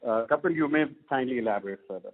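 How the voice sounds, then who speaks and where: A man's voice: medium pitch, quick pace. Indian man on a tinny phone line. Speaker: company executive on an earnings call. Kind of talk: spontaneous business question-and-answer. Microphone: conference call line.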